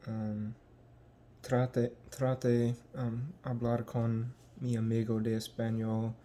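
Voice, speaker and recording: Young American man, language-learner vlog, halting, slow, mellow voice. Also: medium pitch, completely flat delivery, a little hiss or hum. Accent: American English. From United States. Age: young adult. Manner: halting, searching for words with many ums. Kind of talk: casual vlog.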